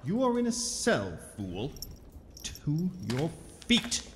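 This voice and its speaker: Man acting a slow, imperious dungeon interrogator. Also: on the high side, wildly swooping pitch, a bit bright, exaggerated voice. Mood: menacing contempt. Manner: imperious, menacing, deliberate. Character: stern, contemptuous male interrogator sorcerer, commanding and cold. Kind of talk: fantasy audio drama acting. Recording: long echoing reverb, noisy ambience.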